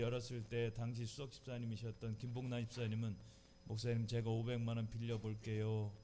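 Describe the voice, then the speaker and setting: The man's voice sits at a medium pitch and moves at a fairly slow pace. Audible room echo surrounds it. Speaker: pastor. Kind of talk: sermon.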